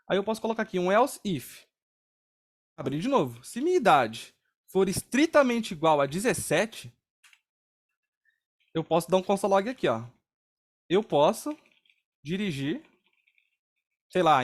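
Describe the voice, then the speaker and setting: Leading a live programming class online, a young instructor with a Brazilian Portuguese accent and a fairly high male voice walks through each step casually. He pauses frequently to ask if his students are following along.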